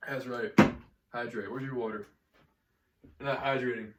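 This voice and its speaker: A man's voice: mid-range voice, fairly even intonation, normal speed, fairly bright tone, slight background noise. A young man co-hosting a podcast, chatting casually and joking with a friend, laughing often. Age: young adult. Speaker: podcast co-host. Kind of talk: casual chat. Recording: echoey room, mic at a distance.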